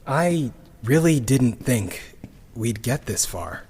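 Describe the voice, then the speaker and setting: Long reverb around a weary, grieving man, husky and very unhurried, halting confessional monologue for sci-fi audio drama. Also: medium pitch, lively intonation, darkish tone, slight background noise. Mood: nervous, hopeful. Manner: halting, sighing, subdued, confessional. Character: grieving, weary man about to launch a rocket. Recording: long reverberant hall echo.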